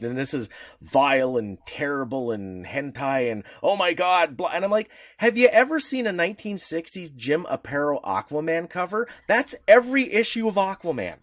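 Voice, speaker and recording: A man co-hosting a podcast in casual chat, rambling and animated, with many restarts. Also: medium pitch, fairly quick, dry recording, clean studio sound. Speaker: podcast co-host.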